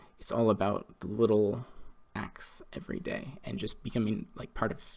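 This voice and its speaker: The voice carries vocal fry and lively intonation. Its loudness swings widely. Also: man, medium pitch for a man. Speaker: presenter of a religious community. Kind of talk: online presentation. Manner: fast; halting with many repetitions.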